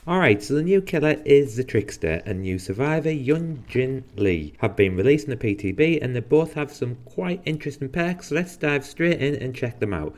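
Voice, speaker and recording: A man's voice: medium pitch, expressive, normal speed, hardly any pauses, darkish tone. A man hosting a gaming channel, explaining new characters and abilities in a casual way, with the odd dry, sarcastic aside. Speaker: gaming video host. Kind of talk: game guide commentary.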